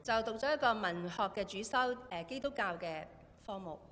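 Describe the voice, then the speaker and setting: A woman's voice: mid-range voice, expressive, normal speed, fairly bright tone. A woman with a Cantonese accent who interprets a sermon phrase by phrase, right after the preacher. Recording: long reverb of a church hall.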